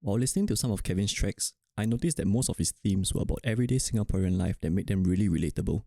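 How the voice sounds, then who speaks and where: Fast-talking gravelly male interviewer. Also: fairly low pitch, expressive, warm tone, no room sound, clean studio sound. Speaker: interviewer and narrator. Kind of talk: interview questions and scripted voice-over.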